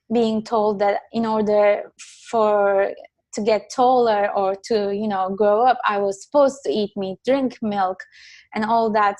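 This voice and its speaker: A woman's voice: mid-range voice, no echo. A young adult woman from Turkey, talking hesitantly as a guest in a casual interview, with many ums and restarts.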